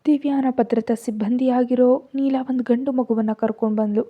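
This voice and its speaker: A woman reads a serial story aloud at a brisk, plain pace. Her voice sits fairly high, and the recording is dull and lo-fi. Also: steady tone.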